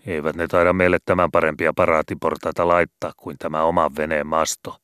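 A man voicing a gruff, bossy, boastful old male sea pilot who scolds loudly and swears in rough rural speech in a storybook reading. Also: rumbling low, no room sound, studio quality.

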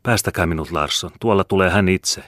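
A man's voice: extremely low pitch, steady tone, pushed and bright, dry recording, clean studio sound, full character voice. A man reading the part of a frail, pale woman in her mid-thirties in an audiobook, speaking weakly and pleadingly. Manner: weak, pleading.

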